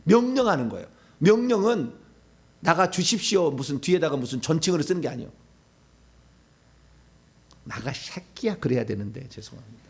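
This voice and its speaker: A middle-aged male pastor giving a sermon, preaching animatedly and acting out demons' pleas and shouted commands. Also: on the high side, very animated, fast talker, husky.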